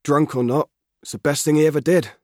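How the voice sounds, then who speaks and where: A man's voice: fairly high pitch, fairly quick, no room sound, studio quality, pitched above the performer's own voice, natural voice. A man voicing an eager, earnest thirteen-year-old farm boy in a storybook reading. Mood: defiant. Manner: excited, gentle, earnest. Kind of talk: audiobook character voice.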